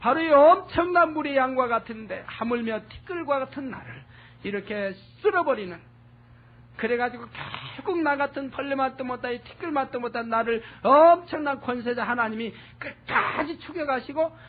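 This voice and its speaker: Male pastor, very high voice, earnest sermon delivery, thin phone-like recording. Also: animated, moderate pace. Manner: earnest preaching, rhetorical questions to the congregation. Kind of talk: expository sermon. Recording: tinny phone-like lo-fi audio.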